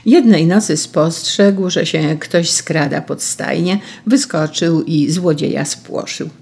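A storyteller narrating a folk tale in a steady, measured way. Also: mid-range voice, gravelly, slightly rough.

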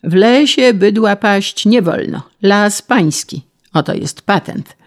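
Lady putting on a bossy shouty official guy, talks down to everyone, voice swoops up high. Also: sing-song, a little slow, vocal fry, exaggerated voice. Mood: bullying. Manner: barking, contemptuous. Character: bullying shouting male district official.

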